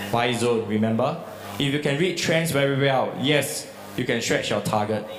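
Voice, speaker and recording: Medium-pitched male speech with ordinary pitch variation and very even loudness, plus noticeable background noise and audible room echo. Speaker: trading educator. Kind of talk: seminar sales pitch. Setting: stage with audience. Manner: fast.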